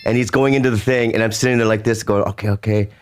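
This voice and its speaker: Animated, laughing male storyteller. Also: on the low side, fast talker, slight background noise. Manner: animated, laughs often, swears freely. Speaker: podcast host telling a story. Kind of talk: casual storytelling chat.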